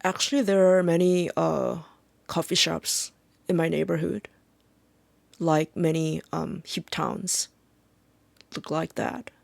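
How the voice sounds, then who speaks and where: Speaking with a Korean accent, this South Korean vlogger, a native Korean speaker, pauses often to find words in a reflective, halting vlog monologue. Their medium-pitched voice carries vocal fry, and the recording is dry.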